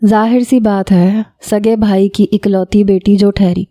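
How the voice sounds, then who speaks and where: A woman reading a first-person romance story in a calm, measured manner. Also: mid-range voice.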